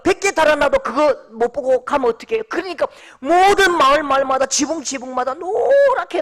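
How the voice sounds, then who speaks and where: High-voiced dramatic male pastor. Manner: dramatic, swings from shouting to hushed, acts out scenes. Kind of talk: sermon.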